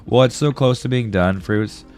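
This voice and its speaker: A man's voice: mid-range voice, moderate pace, a little mellow. A man chatting casually on an art livestream, friendly and slangy with viewers, his voice affected by a sore throat and congestion. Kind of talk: casual livestream chat while drawing. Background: music.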